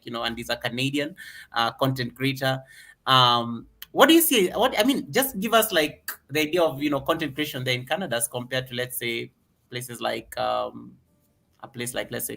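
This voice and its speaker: Bright-voiced Kenyan man hosting. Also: medium pitch, gravelly. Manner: animated, questions in long repeating runs. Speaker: livestream host. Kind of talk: casual livestream interview.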